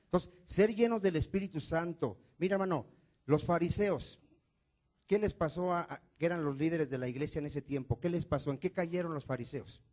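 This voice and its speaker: A man's voice: a little high, normal speed, a little mellow. A male pastor preaching a sermon, asking the congregation questions and answering them himself.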